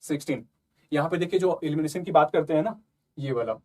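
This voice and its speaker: An exam prep tutor talks through exam questions in a casual, conversational lesson, frequently checking in with his listeners and repeating "ठीक है" and "ना" often. His voice is a little high, a little fast and a little mellow.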